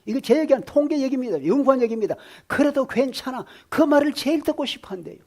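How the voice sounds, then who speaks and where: A pastor preaching a sermon in a church, telling stories and swinging between hushed asides and loud emphasis. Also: male voice, extremely high pitch, lively intonation, racing. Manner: storytelling, shifting from hushed to loud. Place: church sanctuary.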